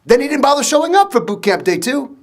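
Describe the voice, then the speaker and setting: A blunt foul-mouthed ex-marine, loud and cursing. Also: male voice, very high-pitched, big pitch swings, fast talker, exaggerated voice. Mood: exasperated. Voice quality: profane, blunt, loud storyteller. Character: blunt ex-Marine male trainer, crude. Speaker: former Marine, film military adviser.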